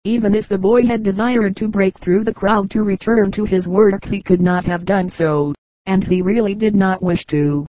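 Mellow woman reading an audiobook. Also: mid-range voice, fairly even intonation, moderate pace, dry recording, poor audio. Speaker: audiobook reader. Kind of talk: scripted narration.

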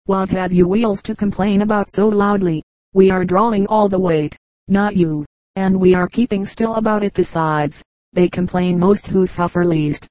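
A woman's voice: mid-range voice, steady tone, normal speed, dark tone, dry recording, natural voice, rough recording. A woman voicing a weary pair of oxen in a storybook reading, speaking sternly. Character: weary, patient team of oxen, scolding.

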